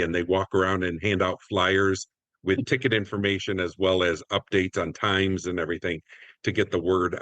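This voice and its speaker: A man's voice: deep voice, fairly bright tone, dry recording. A man speaking as a community theater actor and announcer, explaining things conversationally. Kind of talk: conversational guest interview and warm sign-off narration.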